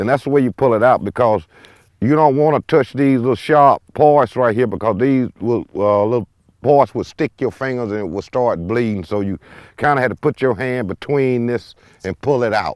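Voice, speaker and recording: Recorded dry and close with no echo and a silent background, a man with an American accent talks at a moderate pace, medium in pitch with ordinary pitch variation. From Mississippi Delta, US South. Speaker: former sharecropper. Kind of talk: documentary interview. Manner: explanatory, demonstrative.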